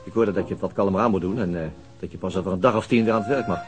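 An actor playing an earnest, patient police detective in a radio drama, explaining things in a thoughtful, hesitant way with a husky voice. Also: male voice, low voice, very fast, music in the background, close to an everyday voice. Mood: careful. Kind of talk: Dutch radio drama dialogue.

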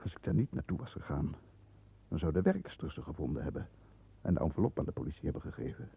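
An actor playing a tense, calculating London lawyer who narrates his own dark thoughts in a deliberate, dramatic 1960s radio play style. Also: a bass voice, very animated, creaky, husky, heavily acted. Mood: shaken, grim. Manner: dramatic, deliberate, halting under strain. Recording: dull lo-fi 1960s radio recording.

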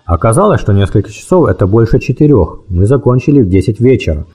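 A man reading a first-person war memoir as an audiobook, in a lively storytelling manner, raising his pitch for the dialogue. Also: quick pace, breathy edge, faint music behind. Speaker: audiobook narrator.

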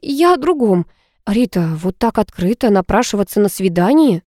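A woman voicing a gentle, curious middle-aged mother who speaks hesitantly. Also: mid-range voice, animated, moderate pace, no echo, studio quality, natural voice.

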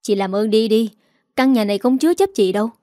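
A woman's voice: fairly high pitch, fast talker, warm tone, no room sound, studio quality, lightly acted. A woman voicing a young sister-in-law who is blunt and disgusted, in an audio story.

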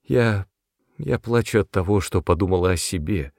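A man's voice: normal speed, vocal fry, darkish tone, no room sound, clean studio sound. A man reading a storybook voicing a lonely, tearful young girl who pleads and sobs. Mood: subdued. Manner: pleading, high and shrill when upset. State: sobbing. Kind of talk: audiobook character voice.

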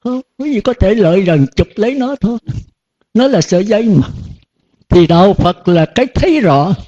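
A man's voice: high voice, lively intonation, moderate pace, mellow. An older man, a Buddhist monk, giving a dharma talk to his disciples in a folksy way, full of rhetorical questions. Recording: dull lo-fi recording.

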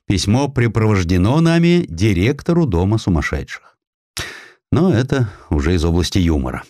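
A man reading a historical essay as an audiobook narrator, in a measured, dramatic storytelling delivery with expressive emphasis. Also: fairly low pitch, no echo, studio quality.

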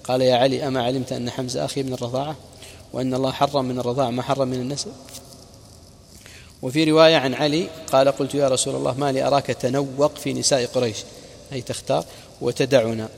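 Gravelly-voiced man teaching religious history. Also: mid-range voice, little pitch movement, fast talker, long reverb tail, a little hiss or hum. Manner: narrates reports and quoted speech with brief asides. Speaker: preacher.

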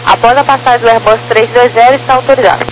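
A woman's voice: on the high side, steady tone, fast talker, music in the background. A woman working as an air traffic controller, giving clipped procedural instructions over a crackly military-style radio. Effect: crackly aviation radio.

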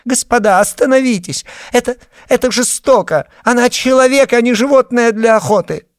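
A man voicing an anxious young noblewoman who pleads with her brother in a high, breathless voice. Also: steady tone, fast talker, no echo, studio quality, close to an everyday voice. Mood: frantic. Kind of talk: audiobook character voice.

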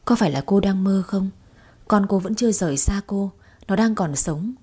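A woman's voice: medium pitch, moderate pace, warm tone, breathy edge. A woman storyteller giving sorrowful, dramatic scripted narration of a tearful story.

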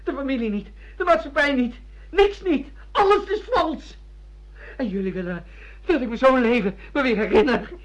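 A woman's voice: high-pitched, expressive, normal speed. A woman acting an agitated, embittered figure railing vehemently and theatrically against lies in a Dutch radio play. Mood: vehement, scornful. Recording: dull lo-fi radio play recording.

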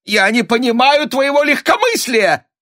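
A shrill, melodramatic old countess, put on by a man reading. She wails and gasps her words in high-strung bursts, every sentence a small catastrophe, in a dry, close sound. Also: very animated, measured pace, gravelly, a bit bright, no room sound, heavily acted. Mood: shrill hysterical. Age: older. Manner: wailing, breathless, melodramatic exclamations. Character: hysterical aging countess mother, shrill and dramatic.

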